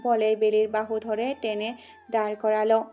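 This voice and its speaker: A woman narrating a dramatic audio story with steady, scripted storytelling. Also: fairly high pitch, unhurried. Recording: muffled audio with background music.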